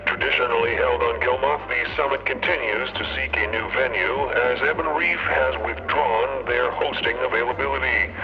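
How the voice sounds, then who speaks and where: An actor playing a serious radio news announcer in an audio drama, reading a bulletin with formal, clipped delivery. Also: male voice, mid-range voice, dull audio, close to an everyday voice. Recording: band-limited radio broadcast over music.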